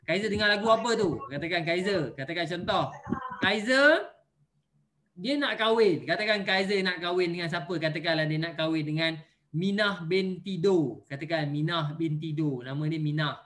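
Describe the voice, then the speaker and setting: A man teaches an online religion class with a bright, forceful voice. He explains patiently and jokes with playful everyday examples for his pupils. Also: a little high, moderate pace.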